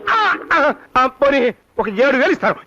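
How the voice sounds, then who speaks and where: A stingy grumbling moneylender. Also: male voice, very high-pitched, very animated, moderate pace, sharp tone, heavily acted. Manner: grumbling, haggling, irritable. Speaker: film character, a miserly moneylender. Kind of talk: comic film dialogue. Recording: dull film soundtrack with faint noise.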